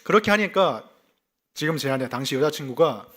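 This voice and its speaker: Male pastor, from South Gyeongsang, sermon with personal anecdotes, rather high voice, very lively intonation. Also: a little fast. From South Gyeongsang, South Korea. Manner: asks the congregation rhetorical questions.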